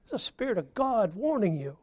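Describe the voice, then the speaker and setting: A man delivers a sermon in a slightly raised voice. He presses hard on key lines, then drops to a near hush. The recording is close and dry, with no room sound. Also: high-pitched, sing-song, brisk, dry recording. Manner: emphatic preaching with swings from loud to hushed. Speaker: preacher.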